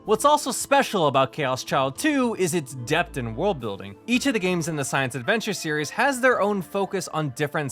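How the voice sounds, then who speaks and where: A man reads a scripted review with very animated intonation. His voice sits a little high, and soft music plays behind him as he presents his recommendations. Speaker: visual novel reviewer and host.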